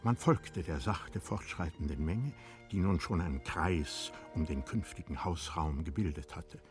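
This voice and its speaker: A man reading literary narration for a radio play in measured, composed phrasing. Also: deep voice, music in the background.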